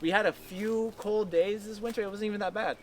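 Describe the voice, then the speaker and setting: A man's voice: high voice, fairly even intonation, a little fast, slight background noise. A man who farms a food forest, talking in a loose, chatty way outdoors on a farm, with many restarts. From United States. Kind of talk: casual outdoor interview. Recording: background music under the voice.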